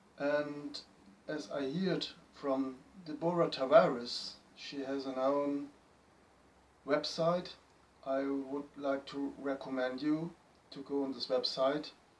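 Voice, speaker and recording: A man with a German accent speaks very slowly in a fairly high, monotone voice, taking long, frequent pauses. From Germany. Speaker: video blogger. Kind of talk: direct-to-camera monologue. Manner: halting.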